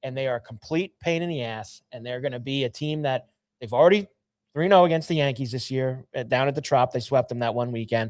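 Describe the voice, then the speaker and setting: This is a man on a very clean recording with a silent background. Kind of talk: live sports talk radio banter.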